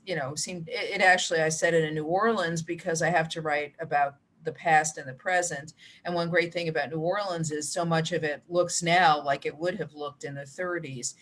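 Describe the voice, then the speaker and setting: A middle-aged American woman with a slightly low voice talks casually in an interview. She is chatty, drifting into asides as she tells her stories. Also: a bit bright. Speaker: mystery author, guest. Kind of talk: casual interview chat about writing.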